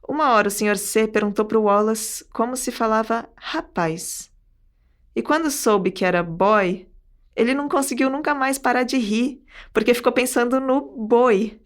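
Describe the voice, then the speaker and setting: A woman's voice: fairly high pitch, moderate pace. A woman with a Brazilian Portuguese accent, hosting a podcast and recounting an anecdote in conversational, scripted narration. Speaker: podcast host.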